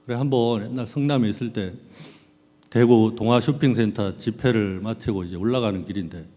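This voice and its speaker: A middle-aged male pastor preaching a sermon, telling personal stories in an animated way and acting out scenes. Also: fairly low pitch, fairly quick. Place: large hall at a church camp. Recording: long reverb of a large hall.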